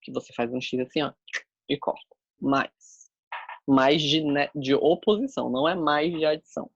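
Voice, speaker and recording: A man's voice: fairly high pitch, normal speed, creaky, breathy edge, dry recording, highs cut off. A man teaching a sign language class, explaining step by step as he demonstrates the signs.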